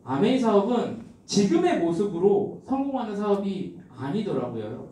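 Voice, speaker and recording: Middle-aged male seminar speaker, high and lively, mellow tone, animated storyteller who works the crowd. Very echoey hall, mic set well back. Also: normal speed, far from the mic. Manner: animated storytelling, addressing the audience directly. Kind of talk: motivational seminar talk.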